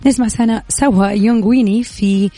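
Fast-talking woman, late-night radio DJ. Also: medium pitch, fairly even intonation, dark tone. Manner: mixes English words and phrases into speech. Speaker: radio host of a music chart countdown. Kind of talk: late-night radio DJ presenting, chatty and informal.

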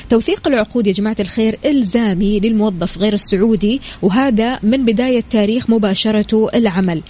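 A woman's voice: medium pitch, quick pace, warm tone. A woman with a Saudi accent hosting a live morning radio show, chatty and speaking straight to her listeners. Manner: chatty, addresses listeners directly. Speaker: radio host.

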